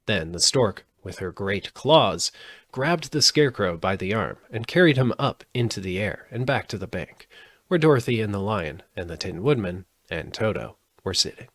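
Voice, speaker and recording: Animated male storybook narrator. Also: fairly low pitch, normal speed. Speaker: audiobook reader. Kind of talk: expressive storybook narration, read live.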